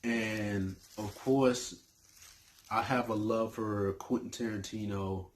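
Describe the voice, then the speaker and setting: A man talks casually about his favorite movies for his channel. He speaks slowly in a lowish voice, often stopping to restart his sentences. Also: fairly even intonation, a little hiss or hum. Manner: hesitant, full of fillers and restarts. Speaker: movie review YouTuber.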